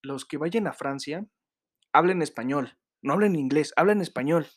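A man with a Mexican accent in casual conversation, exclamatory and full of slang. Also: on the high side. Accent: Mexican Spanish. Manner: animated, quick, exclamatory. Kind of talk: casual chat.

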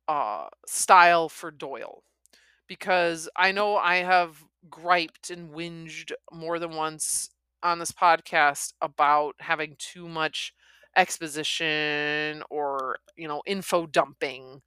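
A woman hosts a book podcast, reading chapters aloud and breaking off for chatty, critical asides. Her voice is bright and sits a little low. The recording is close and dry. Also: smooth, dry recording. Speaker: podcast host. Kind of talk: reading a novel aloud with commentary.

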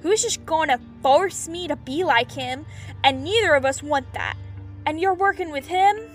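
High-voiced defiant young siren played by a woman. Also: moderate pace, faint music behind, lightly acted. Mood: angry, hurt. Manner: blunt, emotional, sweary. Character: defiant young runaway siren, wounded but stubborn. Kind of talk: audio drama acting.

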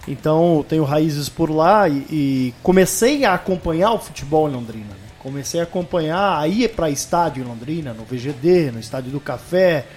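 A man's voice: a little high, expressive, normal speed, few pauses, darkish tone, faint music behind. A man in his thirties from northern Paraná, a radio sports commentator talking as a podcast guest, telling his story at an easy pace and often ending phrases with a question tag. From northern Paraná, Brazil. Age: 30s. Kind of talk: casual podcast interview.

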